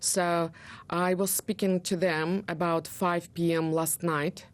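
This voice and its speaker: A woman from Ukraine whose first language is Russian, explaining in a news interview with frequent pauses and fillers. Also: lowish voice, flat delivery. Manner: explanatory, many ums and pauses. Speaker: interview guest.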